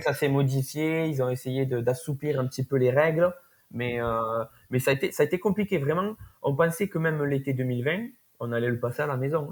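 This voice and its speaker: Speaking at a fairly quick pace, a man with a southern French accent has a fairly high pitch. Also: ordinary pitch variation. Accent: southern French, sing-song. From southwest France (Tarn). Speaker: tour guide. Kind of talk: podcast interview answer. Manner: cheerful.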